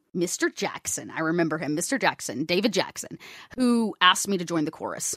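A normal speaking voice from a woman with an American accent, medium in pitch, with lively intonation, very cleanly recorded against a silent background, dry and close with no echo. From US South, rural southeast Georgia. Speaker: tabletop RPG producer. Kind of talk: casual interview.

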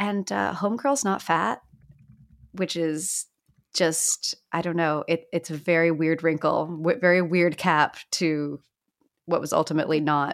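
A woman speaks in a plain, everyday voice with an American accent. Her pitch is fairly low and her pace fairly slow. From upstate New York. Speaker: author and columnist. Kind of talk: casual chat, podcast interview. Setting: video call from her home.

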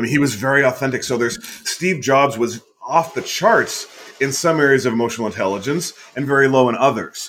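In a normal speaking voice, a man talks at medium pitch with ordinary pitch variation. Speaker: keynote speaker on emotional intelligence. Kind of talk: interview conversation.

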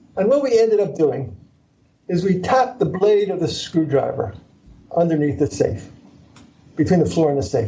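A man speaks in an American accent. Vocal fry runs through his voice. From Philadelphia area, US. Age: 70s. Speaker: author and entrepreneur. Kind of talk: casual interview chat. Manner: animated, rambling, repeats words.

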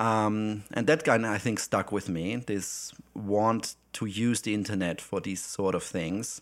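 In a very clean recording with a silent background, a man with an ordinary speaking voice and fairly low pitch talks at a fairly slow pace, with hardly any pauses and fairly even intonation. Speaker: creative studio founder. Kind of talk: casual interview conversation. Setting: studio, in person.

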